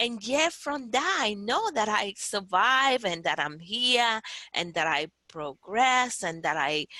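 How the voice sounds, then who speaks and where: In a Spanish accent, a woman speaks at a very slow pace with a bright, sharp tone, a fairly high pitch and very wide pitch swings. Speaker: workshop participant. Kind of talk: sharing personal reflection. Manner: halting.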